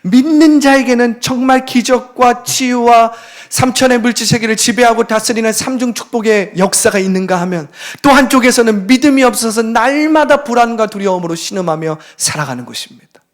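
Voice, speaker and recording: A man preaching a sermon as pastor, acting out scripture with fervent rebukes that swing between loud and hushed. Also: very high-pitched, brisk. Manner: impassioned preaching, dramatic quoted rebukes, sudden loud and soft swings. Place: church sanctuary.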